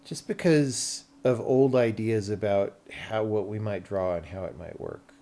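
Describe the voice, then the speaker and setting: Working on his game during a livestream, this man talks casually and thinks aloud, frequently asking himself muttered questions. He sounds warm and unhurried, his voice on the low side, with slight background noise.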